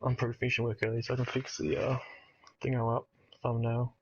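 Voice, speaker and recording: A man co-hosting a live stream, relaxed and quick to laugh. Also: medium pitch, slightly rough, highs cut off. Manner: relaxed, laughs easily, swears. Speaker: stream co-host. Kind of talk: casual live stream banter.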